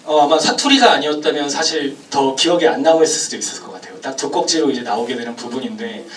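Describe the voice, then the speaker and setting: A man hosts a screening talk, rattling off polite, long-winded questions at a brisk clip. His voice echoes through a roomy cinema, picked up from a distance with a faint hum. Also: fairly high pitch, expressive. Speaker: moderator of a film Q&A. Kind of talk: hosting a post-screening talk. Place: cinema auditorium.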